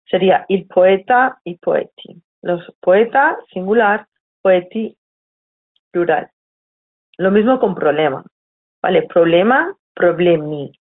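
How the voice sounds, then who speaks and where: A female teacher with a Spain Spanish accent and a medium-pitched voice patiently explains a lesson to her students. She often checks whether they're following and corrects herself mid-sentence. The audio is tinny, like a phone.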